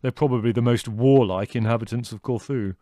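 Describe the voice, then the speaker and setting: A man's voice: mid-range voice, brisk, warm tone, dry recording, studio quality, lightly acted. A man voicing a blunt, hot-tempered young man who speaks brusquely and scornfully.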